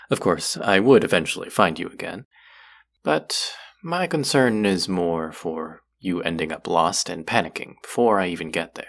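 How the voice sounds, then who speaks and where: A man playing a courtly, possessive demon in a roleplay audio drama, speaking formally and deliberately in a husky, gravelly voice. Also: sits low, fairly bright tone, exaggerated voice. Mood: amused, reassuring. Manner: formal, slow, deliberate, coaxing. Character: possessive, courtly male demon who hungers for hearts. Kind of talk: scripted roleplay audio drama addressed to the listener.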